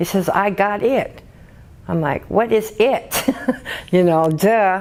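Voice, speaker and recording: With an American accent, this speaker talks at a fairly slow pace, the pitch swinging very widely. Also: woman. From Seattle, Washington. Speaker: woman living with HIV, support network member. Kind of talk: personal testimony interview.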